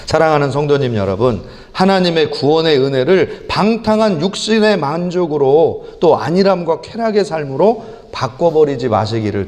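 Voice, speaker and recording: A middle-aged male pastor preaching a sermon, animated and acting out prayers and rebukes in lively voices. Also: on the high side. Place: church sanctuary. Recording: long church hall reverb.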